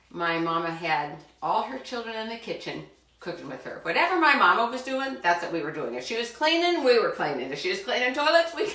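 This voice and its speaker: A woman's voice: mid-range voice, pushed and bright. A middle-aged woman hosting a live cooking demonstration for children in her home kitchen, chatty and encouraging as she talks straight to the kids. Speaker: cooking show host for children. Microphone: far camera. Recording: roomy kitchen sound from a distance.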